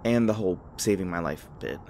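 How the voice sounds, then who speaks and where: A man's voice: sits low, animated, fairly quick, darkish tone, a little hiss or hum. A man acting a nervous, rambling young human in an audio roleplay, stammering as he talks to the listener. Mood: shy, grateful. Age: young adult.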